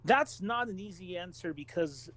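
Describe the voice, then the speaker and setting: A man's voice: high voice, lively intonation, normal speed, sharp tone. A man co-hosting a podcast, explaining his opinions analytically in casual, stop-and-start phrases. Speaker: podcast co-host.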